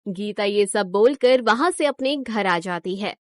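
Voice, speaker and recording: A woman's voice: medium pitch, unhurried, no room sound, clean studio sound. Woman narrating a cartoon story. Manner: even, storytelling.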